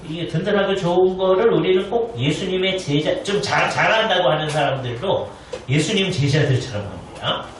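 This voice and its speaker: A man's voice: fairly high pitch, expressive, normal speed. A man preaches a sermon to a church congregation, talking to them like a teacher and often asking whether they follow. His voice rings through a very reverberant hall and is picked up from some distance. Faint noise sits under the sound. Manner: conversational, often asks the congregation "right?". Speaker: guest preacher, professor. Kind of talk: sermon at a Bible conference. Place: church sanctuary.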